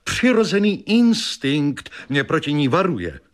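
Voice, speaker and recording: A man voicing a fretful, demanding invalid woman in a read-aloud story, talking in a shrill, complaining, high-strung way. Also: very animated. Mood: agitated.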